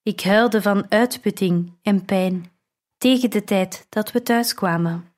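A woman reading a first-person audiobook in a measured, earnest way. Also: mid-range voice, a little mellow. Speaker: narrator.

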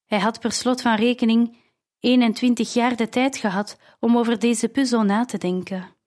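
A woman narrating a novel in the first person as an audiobook, measured and expressive. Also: a little high.

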